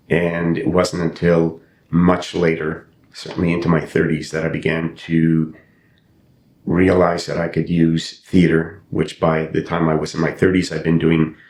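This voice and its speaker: Older man from Canada, English not his first language, very low voice, roomy sound. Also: darkish tone. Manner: thoughtful, with frequent restarts and repeated phrases. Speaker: podcast guest, actor and playwright. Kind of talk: reflective interview storytelling. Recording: roomy with faint rumble.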